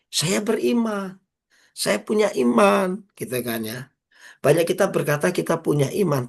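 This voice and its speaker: A man preaching an informal sermon over a video call, exhorting listeners by name and slowing into emphatic recited lines. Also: a little high, gravelly, breathy edge. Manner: exhorting, repeats phrases and drops into slow emphatic recitation; addresses listeners by name, casual colloquial asides. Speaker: preacher leading an online prayer meeting.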